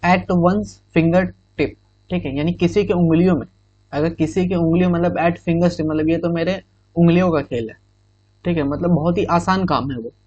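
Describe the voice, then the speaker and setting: A man's voice: on the high side, a little fast, darkish tone, husky, dry recording. A male exam-prep teacher explaining idioms in Hindi with English phrases, often checking in with "theek hai". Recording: dull, muffled recording.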